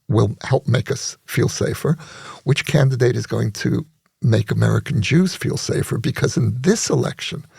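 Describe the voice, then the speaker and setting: A man co-hosting a podcast discussion, telling stories in a reflective, measured way. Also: mid-range voice, creaky, a little mellow, husky, no echo, clean studio sound. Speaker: podcast co-host.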